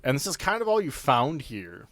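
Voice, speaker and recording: A man's voice: fairly high pitch, huge pitch swings, normal speed, fairly bright tone, dry recording. A man acting as game master, improvising narration and guiding players through a tabletop game.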